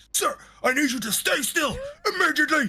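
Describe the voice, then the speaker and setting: A put-on character voice shouts at a high pitch with very wide pitch swings. The pace is fairly quick. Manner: shouting, stern, commanding.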